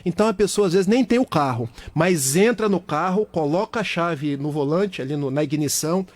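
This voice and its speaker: A man's voice: a little high, lively intonation, normal speed, a little mellow. A middle-aged Brazilian man with a Brazilian Portuguese accent, a guest speaker on a radio talk show, explaining at length with everyday examples.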